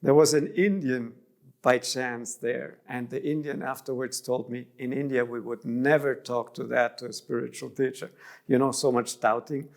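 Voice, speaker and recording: In a reflective interview, a middle-aged man from Germany thinks aloud and restarts his phrases mid-sentence. His gravelly voice is mid-range and steady, moving at a moderate pace.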